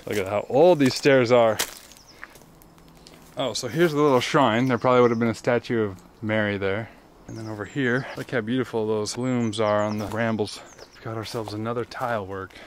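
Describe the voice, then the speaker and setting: A man in his thirties talking casually and excitedly as he walks through the overgrown grounds of a ruined palace, recorded outdoors on a clip-on mic. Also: on the low side, moderate pace, slight background noise. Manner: excited, chatty, wondering aloud. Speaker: travel vlogger. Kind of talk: casual walking commentary.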